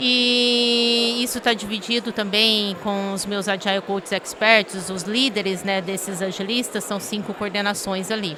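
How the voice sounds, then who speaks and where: Fairly even intonation at a fairly slow pace over noticeable background noise. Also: woman. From Brazil, southern Minas Gerais. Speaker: agile transformation leader at a bank. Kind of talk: podcast interview.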